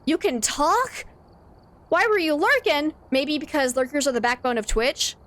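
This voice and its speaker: High-voiced and fairly bright, this woman keeps a measured pace as she streams a game, with slight hiss or hum behind her. It's relaxed gameplay chat: she laughs a lot and reads viewers' messages out loud.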